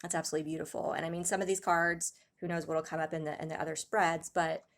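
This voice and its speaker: A woman giving a casual tarot reading to viewers, talking softly with many pauses and restarts, her throat a little raspy. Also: deep voice, flat delivery. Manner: soft-spoken, hesitant, many ums and restarts, gasps in awe. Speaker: tarot reader.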